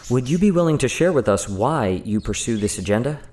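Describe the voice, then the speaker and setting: An actor playing an earnest, wary scientist from a secretive agency in an audio drama, formal and explanatory. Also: male voice, medium pitch, animated, a little fast, a little mellow, a little hiss or hum, close to an everyday voice. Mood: wary, hesitant.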